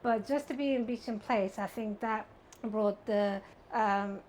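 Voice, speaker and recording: A woman's voice: mid-range voice, unhurried, slight background noise. A middle-aged woman whose first language is Persian, a jewellery business owner telling stories in a chatty interview. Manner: chatty storyteller, lively when recounting. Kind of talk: interview conversation.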